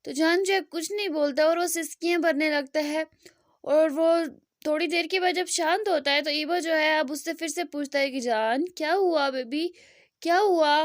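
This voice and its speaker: A woman's voice: high voice, fairly even intonation, normal speed, no echo, clean studio sound. A woman casually retelling a romance story, rambling along with many fillers and self-corrections.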